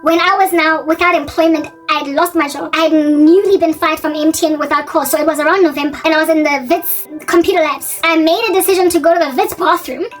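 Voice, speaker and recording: South African woman, 40s, high voice, rambling vlog talk, distant mic, faint music underneath. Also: fairly even intonation, fast, hardly any pauses. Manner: rambling, often correcting and repeating herself. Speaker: faith vlogger. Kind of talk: casual talking-head monologue.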